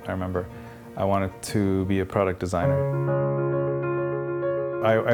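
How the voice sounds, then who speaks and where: A man in his fifties from Iran, a visual effects artist recalling his career in a documentary interview, telling it in a reflective, unhurried way with small restarts. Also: fairly low pitch. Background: soft guitar music.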